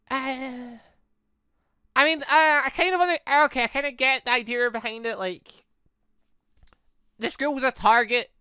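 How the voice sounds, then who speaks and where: A man reading a visual novel aloud with chatty, excitable commentary, jumping up in pitch when surprised, on a close desk mic. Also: clear, resonant tone, no room sound. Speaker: gaming YouTuber.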